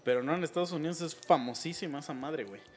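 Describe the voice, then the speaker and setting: A man's voice: on the high side, fast, slight background noise. A man with a Mexican accent hosting a casual, slangy chat, talking animatedly and laughing often.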